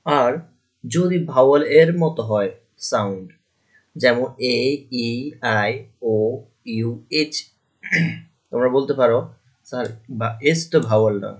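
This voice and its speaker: Man, grammar teacher, asks and answers his own questions, mid pitch. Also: a little slow, long pauses. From Bangladesh. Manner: asks questions and answers them himself, repeats key points. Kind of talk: classroom grammar lesson.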